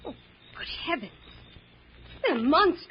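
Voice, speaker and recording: A woman's voice: sits high, big pitch swings, measured pace, slight background noise. An actress playing a brave but anxious, well-spoken young woman in an old radio thriller. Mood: alarmed, pleading. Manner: earnest, genteel melodramatic delivery. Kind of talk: 1940s radio thriller acting. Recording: muffled old radio recording.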